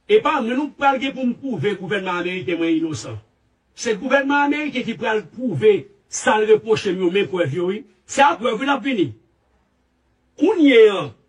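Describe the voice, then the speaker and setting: A man giving a rambling, halting statement with many repeats and restarts, heard from a played clip. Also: high voice, recorded from a distance. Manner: repetitive, halting, restarts often.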